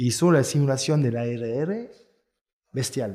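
In a very clean recording with a silent background, a man with a French accent talks at a moderate pace in a fairly high pitch, his dark, mellow tone carrying ordinary pitch variation. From France. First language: French (speaking Spanish). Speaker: e-commerce expert. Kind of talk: casual chat. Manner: halting.

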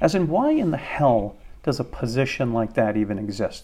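A man at medium pitch with an American accent speaks at a moderate pace, his dark, mellow tone somewhat breathy, with ordinary pitch variation. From United States. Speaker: podcast host. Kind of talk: comedic monologue. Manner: animated.

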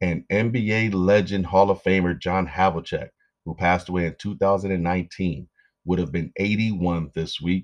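A man speaks in a very deep, low pitch with an animated tone. The sound is dry and close with no echo. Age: 40s. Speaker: sports podcast host. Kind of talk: casual commentary.

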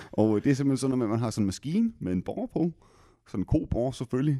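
A man's dark, mellow voice at a fairly quick pace with very wide pitch swings, dry and close with no echo, over a quiet background. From Denmark, Esbjerg (West Jutland). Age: 40s. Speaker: company director, former paramedic. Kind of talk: podcast interview.

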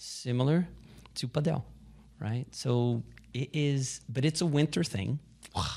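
With a Brazilian accent and a somewhat breathy, medium-pitched voice, a man speaks with ordinary pitch variation and long, frequent pauses over a quiet background. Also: fairly slow pace. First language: Portuguese. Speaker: racquet sports director. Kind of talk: interview. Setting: studio.

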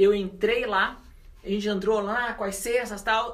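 A high-pitched man with fairly even intonation, with audible room echo. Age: 30s. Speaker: pastor. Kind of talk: casual chat.

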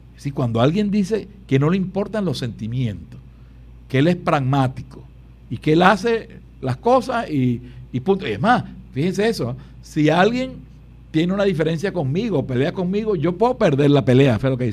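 This man speaks at a moderate pace with fairly high pitch and very wide pitch swings. Vocal fry runs through his voice. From Venezuela, El Tigre, Anzoátegui. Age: 60s. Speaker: psychiatrist and radio host. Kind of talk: radio talk show.

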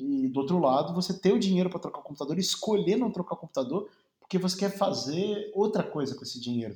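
A man races along at a very fast pace, his high voice full of lively intonation. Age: 40s. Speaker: advertising agency co-CEO. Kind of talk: casual chat. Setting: at home, remote call. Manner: halting.

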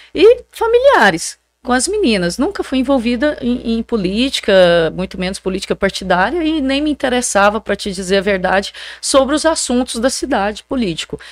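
A woman's high voice at a moderate pace with very wide pitch swings, on a very clean recording with a silent background. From Goiás, Brazil (born in Goiânia). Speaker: state legislator and mayor's wife. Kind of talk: casual interview.

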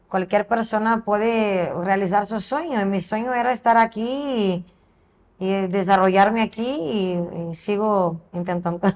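A woman with a Brazilian accent speaks at medium pitch in a very clean recording with a silent background. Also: ordinary pitch variation, fairly slow pace. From southern Brazil. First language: Portuguese (speaking Spanish). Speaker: lawyer and business owner. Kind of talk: interview.

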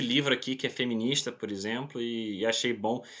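Against a quiet background, a man at a medium pitch talks at a fairly quick pace. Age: 20s. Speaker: political scientist living abroad. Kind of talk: interview. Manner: halting, with frequent repetitions.

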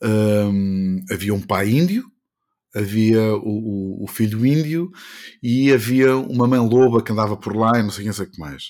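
A man with a European Portuguese accent, medium in pitch, with ordinary pitch variation and a fairly slow pace, on a very clean recording against a silent background. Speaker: voice actor and dubbing director. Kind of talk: casual chat.

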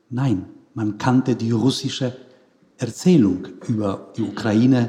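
Speaking with a Polish accent at a fairly slow pace, this voice has ordinary pitch variation and long, frequent pauses. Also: man. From Poland. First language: Polish (speaking German). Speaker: former diplomat. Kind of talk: panel discussion. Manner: halting.

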